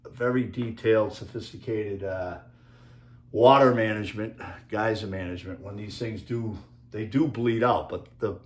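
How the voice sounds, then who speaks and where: A man with a Boston accent rambling through a casual monologue, halting often with fillers as he talks over slides. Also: fairly low pitch, roomy sound. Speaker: video creator and author.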